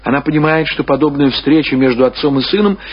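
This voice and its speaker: A man reading literary prose as a dramatic narrator, with deliberate, expressive phrasing. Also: fairly high pitch, slightly rough. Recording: dull old radio recording.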